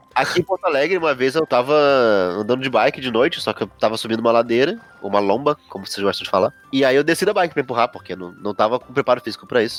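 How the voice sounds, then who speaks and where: With music in the background, a man races along at a very fast pace in a Rio de Janeiro accent, with lively intonation and hardly any pauses. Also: medium pitch for a man, dry, close sound with no echo. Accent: Rio de Janeiro (carioca). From Rio de Janeiro, Brazil. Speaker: game developer. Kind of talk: casual podcast chat.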